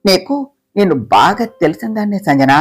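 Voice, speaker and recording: A woman's voice: lowish voice, lively intonation, moderate pace, slightly rough, faint music behind. A woman doing a taunting vengeful ghost girl. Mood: menacing, taunting. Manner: menacing, taunting.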